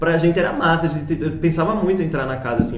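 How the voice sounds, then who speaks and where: A man speaks very fast at a fairly high pitch with ordinary pitch variation. Noticeable background noise and audible room echo fill the recording. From Brazil, Maceió (Alagoas). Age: 20s. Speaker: podcast co-host, advertising professional. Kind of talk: casual chat.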